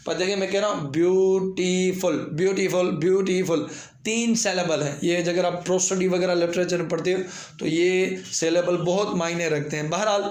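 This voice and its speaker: A man with a Pakistani accent gives an exam-prep lecture in a high, light voice. He slows right down to read each English definition, then goes back over it in his own words. The room rings with a hollow echo. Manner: explains in Hindi-Urdu, reads English definitions slowly and repeats them. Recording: echoey room.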